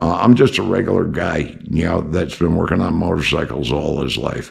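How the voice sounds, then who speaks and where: Over noticeable background noise, a man's pitch swings very widely as he talks. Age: 70s. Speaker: motorcycle repair YouTuber. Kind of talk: casual vlog monologue. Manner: halting, with fillers.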